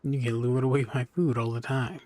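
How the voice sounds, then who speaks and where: A man's voice: medium pitch, steady tone, brisk, darkish tone, a little hiss or hum. A man giving casual, playful and irreverent commentary as he plays a video game. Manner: irreverent, crude humour, playful. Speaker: gamer, streamer. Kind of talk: casual joking game commentary, reading some dialogue aloud. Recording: game music behind the voice. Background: video game music.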